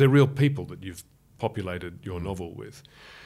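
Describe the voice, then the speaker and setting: Captured in a very clean recording with a silent background, a man with a very deep, low pitch speaks at a fairly quick pace, somewhat breathy, with ordinary pitch variation. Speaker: journalist interviewer. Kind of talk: interview.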